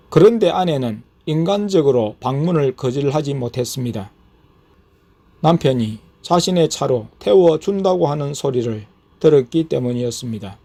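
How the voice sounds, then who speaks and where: Male pastor, scripted testimony narration, fairly high pitch, even measured delivery.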